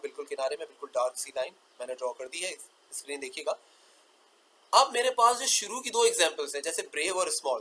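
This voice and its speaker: A man teaching English grammar in a lecture, repeating key terms as questions and drawing out example words slowly. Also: a little high, bright, forceful tone, slight background noise, poor audio.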